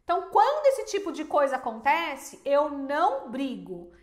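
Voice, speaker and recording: A Brazilian woman with a very high voice talks straight to her viewers about business, emphatic and animated. She keeps throwing in rhetorical questions. The room around her is echoey. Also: moderate pace. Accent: Brazilian Portuguese. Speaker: small business owner and teacher. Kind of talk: casual advice to viewers.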